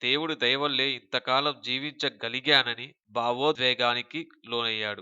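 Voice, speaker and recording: This man has a plain, everyday voice, medium in pitch. His intonation runs fairly even. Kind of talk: news story narration.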